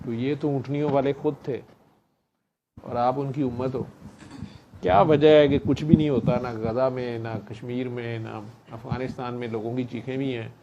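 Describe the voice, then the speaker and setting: A host, joking and teasing in relaxed conversation. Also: mid-range voice, moderate pace, dull audio, slight background noise. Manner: joking, teasing, frequent listening hums. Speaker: host, healer. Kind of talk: casual conversation.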